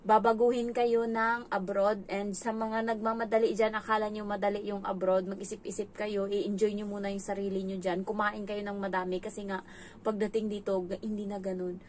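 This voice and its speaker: A woman's voice: medium pitch, flat delivery, brisk, a little hiss or hum. A young woman from the Philippines working as a domestic helper abroad, telling her story to viewers in a candid, chatty way. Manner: candid, talks straight to viewers with frequent asides.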